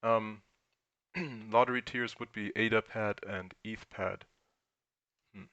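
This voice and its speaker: A man's voice: fairly low pitch, steady tone, slow, a bit bright, no echo, lo-fi sound. A man from Germany whose first language is German, hosting a casual livestream and thinking aloud while he answers chat questions. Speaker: crypto livestream host.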